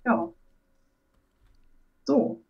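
A woman's voice: very slow, warm tone. A woman in her forties from Saarland, Germany, chatting casually as a podcast member. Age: 40s. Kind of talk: casual group chat. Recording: dull, lo-fi voice chat.

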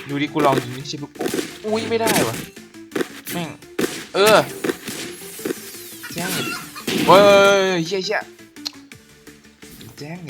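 Excitable man cursing through a game. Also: on the high side. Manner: excitable, profane, keeps shouting "come here" at enemies. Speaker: gaming YouTuber. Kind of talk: casual gameplay commentary. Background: game music.

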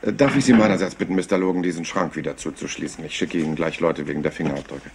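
An actor playing a rumpled, polite police inspector in a crime radio play, hesitant and rambling as if scatterbrained. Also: male voice, sits low, fairly even intonation, racing, background noise. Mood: apologetic, polite. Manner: hesitant, rambling, courteous, mock-modest.

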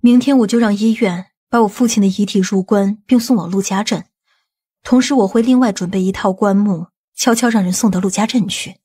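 A woman playing a composed, scheming aunt in an audiobook, measured and authoritative. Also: mid-range voice, warm tone, slightly rough, close to an everyday voice. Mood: firm. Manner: measured, matter-of-fact, authoritative. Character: composed, commanding, scheming aunt of a powerful family.

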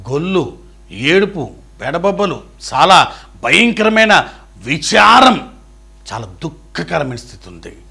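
Husky, lively-voiced preaching pastor man. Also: on the high side. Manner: dramatic swings between loud declaring and hushed pleading; addresses the listener directly as a dear friend. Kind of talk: sermon.

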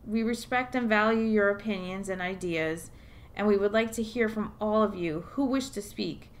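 A woman's voice: medium pitch, normal speed, close to an everyday voice. Actress as a formal, firm woman mayor. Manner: formal public address.

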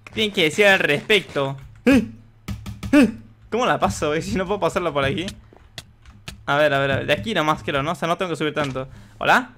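A young man giving excitable gameplay commentary, swearing and yelling at the game as he plays. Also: on the high side, a little fast, long pauses, faint music behind. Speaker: gaming youtuber.

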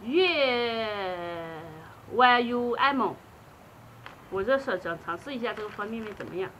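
A woman's voice: on the high side, animated, measured pace, fairly bright tone, a little hiss or hum. A young woman chatting casually outdoors in a rural yard, an easygoing food vlogger. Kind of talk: casual chat.

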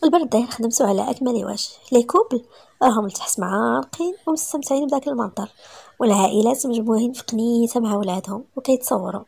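A Moroccan woman storyteller reading aloud in a brisk, lively way. Her voice sits high and quick, with a gravelly, husky texture throughout. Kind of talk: read-aloud story narration.

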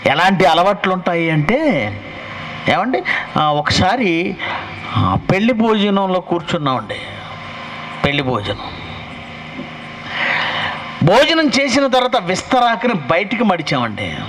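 A man's voice: high-pitched, very animated, unhurried, pauses often, fairly bright tone, a little hiss or hum, rough recording. A male pastor preaching a sermon and pressing his point with rhetorical questions. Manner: emphatic, fires rhetorical questions.

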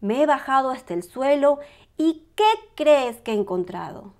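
A woman's voice: high voice, lively intonation, normal speed, darkish tone. A woman voicing an eager, polite little boy bear cub from a storybook, childlike and earnest. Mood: proud, excited.

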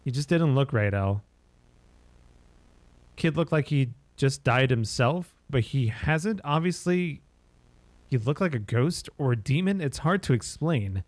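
A man's voice: mid-range voice, expressive, measured pace, dry recording, close to an everyday voice. A man reading game dialogue aloud as an uneasy, tipsy gas station worker phoning the police, hesitant and rambling. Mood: spooked, defensive.

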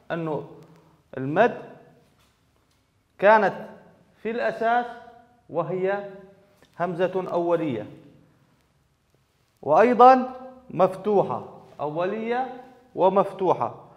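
A man's voice: high-pitched, expressive, a little slow, pauses often. A man teaching a grammar lesson in a classroom, explaining step by step and repeating key words. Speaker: Arabic teacher. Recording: echoey hall, dull lo-fi sound.

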